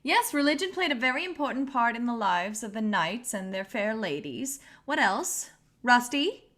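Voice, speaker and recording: A strict high school teacher acted by a woman at a table read. Her voice is fairly high and moves expressively up and down. She speaks formally and impatiently, with classroom authority. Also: lively intonation, moderate pace, a bit bright. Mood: instructive. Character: stern, impatient female high school teacher keeping order.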